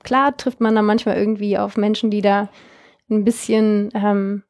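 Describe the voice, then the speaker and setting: A woman's voice: mid-range voice, level tone, moderate pace, darkish tone. A young woman from Germany, founder of a jewelry company, answering interview questions in a chatty way with many fillers and restarts. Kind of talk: casual interview.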